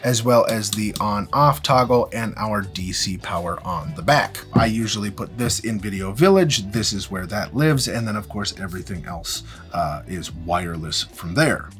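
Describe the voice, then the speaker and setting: A man's voice: on the low side, expressive, moderate pace, fairly bright tone. A man presenting an instructional gear demonstration in an informal, explanatory way with emphatic phrasing. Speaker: presenter of a film-gear tutorial. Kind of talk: instructional product demonstration with casual asides. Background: background music.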